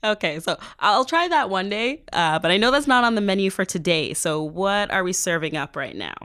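A woman's voice: mid-range voice, very animated, moderate pace, a bit bright, clear, resonant tone, no echo, studio quality. A woman podcast host chatting casually and agreeably with her co-host. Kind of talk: casual chat.

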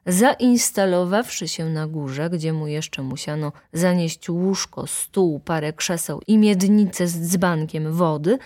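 A woman narrating a classic novel as an audiobook in a steady, even storytelling manner. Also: fairly low pitch, slow pace, hardly any pauses.

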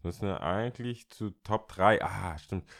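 Deep-voiced Swabian man chatting. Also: normal speed, vocal fry, a bit bright. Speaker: podcast co-host. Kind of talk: casual chat.

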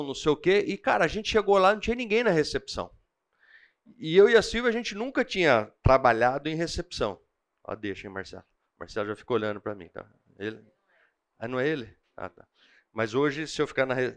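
A man with a Brazilian Portuguese accent teaching a church Bible class, telling animated personal stories in a slangy, chatty way. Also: fairly high pitch.

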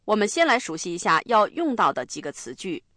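A woman hosting a radio English lesson, explaining phrases in a clear, instructive way. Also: mid-range voice, big pitch swings, fairly quick, a bit bright, dry recording, clean studio sound. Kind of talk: scripted lesson narration.

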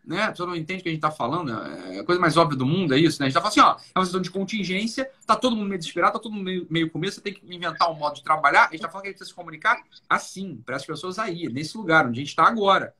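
A man's voice: fairly high pitch, expressive, racing, sharp tone. A man hosting a live stream, talking in an emphatic, casual way. He repeats himself insistently and speaks bluntly, sometimes swearing.

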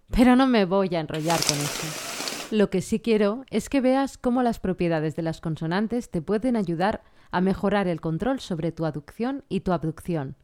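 A woman vocal coach explaining singing technique in a clear, patient way. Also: lowish voice, darkish tone. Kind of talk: singing lesson with sung vocal examples.

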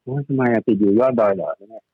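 A man's voice: fairly low pitch, quick pace, narrow, tinny audio, crowd noise. A man giving casual stock market commentary, chatty and rambling, often repeating his words.

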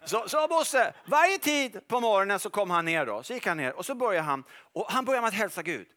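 Animated, high-voiced middle-aged preacher. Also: male voice. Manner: animated and jokey, asks the audience "are you with me?". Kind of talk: sermon.

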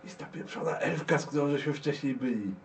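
A man's voice: a little high, fairly quick. A man playing a tabletop roleplaying game in character, pushy and impatient and swearing often. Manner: curses a lot, pushy and impatient. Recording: distant mic with loud background noise.

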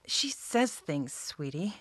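A woman playing a defensive, dismissive, devout mother in middle age, speaking in measured phrases with pointed emphasis in an audio drama. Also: sits low, very animated, no echo, heavily acted. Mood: guarded. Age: middle-aged. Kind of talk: naturalistic audio drama acting.

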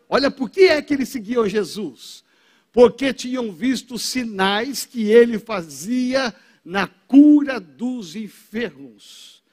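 High-voiced male pastor preaching slowly. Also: darkish tone. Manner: emphatic preaching, calls for amens. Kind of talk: sermon. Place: church service. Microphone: microphone.

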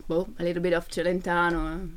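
A woman's voice: lowish voice, little pitch movement, brisk. A woman from northern Italy who sings in a band, speaking English with an Italian accent; she gives brief answers and laughs often. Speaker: band singer.

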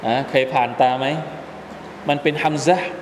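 A male Quran commentary teacher speaks at a moderate pace, with medium pitch and fairly even intonation, teaching a religious lesson in a mosque hall. He walks through pronunciation step by step and tests his audience with questions, amid long reverb and faint background noise.

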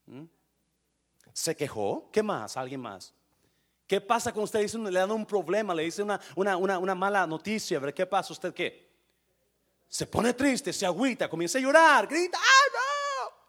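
A man preaching a sermon, asking the congregation questions and swinging from quiet asides to loud bursts, with English words in his Spanish. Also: high voice, expressive, moderate pace. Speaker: pastor.

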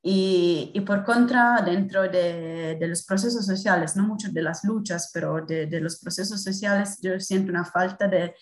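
Halting Italian-accented woman, roomy sound. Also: lowish voice. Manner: halting, searching for words, repeating words. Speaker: course participant. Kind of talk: spontaneous discussion contribution.

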